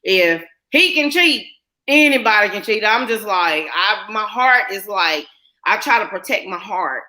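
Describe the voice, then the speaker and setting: Bright-voiced Southern woman hosting a live chat. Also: medium pitch, lively intonation, measured pace. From North Carolina. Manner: chatty, reads viewer comments aloud. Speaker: livestream host.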